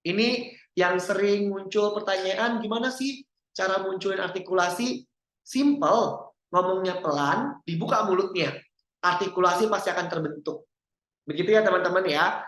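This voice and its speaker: A man's voice: high voice, normal speed. A man teaching public speaking in an interactive lesson, coaching and quizzing a participant. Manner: lively, coaching, asks the audience questions. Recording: roomy echo.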